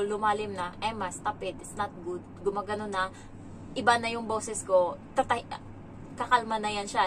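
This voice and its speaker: A woman's voice: medium pitch, noisy background. A woman from the Philippines, a domestic helper, telling a story in a casual vlog and switching between Tagalog and English.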